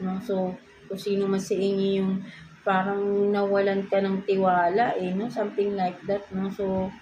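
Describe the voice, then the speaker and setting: A woman's voice: medium pitch, a little mellow, poor audio. A woman with a Filipino accent giving a casual tarot reading, chatty and ending almost every phrase with a questioning "no?". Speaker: tarot reader. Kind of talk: casual tarot reading, mixing Tagalog and English. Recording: clear background noise.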